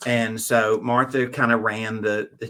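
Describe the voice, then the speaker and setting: In a Southern US accent, a man speaks with a bright, sharp tone. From US South, Jackson, Mississippi. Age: 60s. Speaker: note investor and mentor. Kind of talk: podcast interview. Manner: conversational with hesitations.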